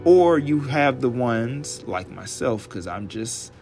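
Hoarse, chatty man with blunt talk. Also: medium pitch, animated, darkish tone, soft background music. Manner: chatty, blunt, profane, drawn-out emphasis. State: hoarse, dry throat. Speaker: podcast host. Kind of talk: casual solo podcast monologue.

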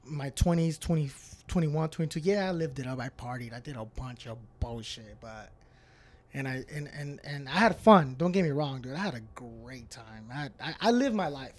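A man's voice: medium pitch, expressive, normal speed. A man in his thirties talking casually as a podcast guest, rambling and swearing freely, often restarting his sentences. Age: 30s. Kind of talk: casual chat.

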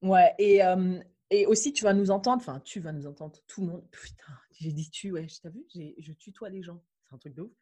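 Low-ish voiced young woman, slight english-tinged french accent, chatty podcast co-host flipping languages. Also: fairly quick, dark tone. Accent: slight English-influenced French. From Mauritania. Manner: code-switching, laughs easily. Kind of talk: casual chat mixing French and English.

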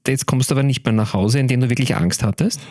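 A man's voice: mid-range voice, fast talker, a little mellow. A man hosting an interview, asking chatty questions and ending them with little tag words. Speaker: podcast host.

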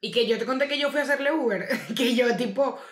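A young woman chats and gossips freely, laughing often as she talks. Her voice sits fairly high. The room around her rings with echo. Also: a little fast. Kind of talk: casual chat. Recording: roomy echo.

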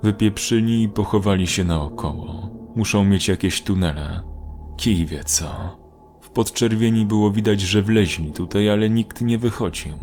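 A man voicing a wounded male soldier who is bleeding, gruff and urgent, in a spoken war story. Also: lowish voice, normal speed, darkish tone, faint music behind, close to an everyday voice.

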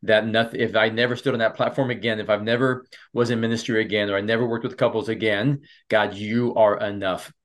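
Brief: low-voiced male pastor, earnest, storytelling guest on a chat show. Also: flat delivery, a little fast, few pauses. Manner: earnest, personal storytelling with frequent restarts. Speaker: pastor and marriage coach. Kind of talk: casual interview.

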